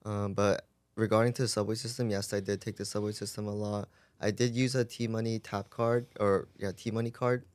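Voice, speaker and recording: A man chatting casually on a podcast, relaxed, with many likes and ums. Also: on the low side, normal speed, smooth, dry recording.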